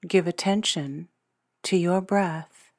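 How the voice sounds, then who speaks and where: A woman guiding a scripted meditation in a gentle, soothing, soft-spoken way, leaving long pauses between short phrases. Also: fairly low pitch, no room sound, studio quality. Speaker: meditation guide. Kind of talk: scripted guided meditation narration. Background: new-age music.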